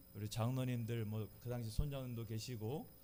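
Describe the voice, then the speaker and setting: Here a man talks at a medium pitch. Audible room echo surrounds his voice. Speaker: pastor. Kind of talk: sermon.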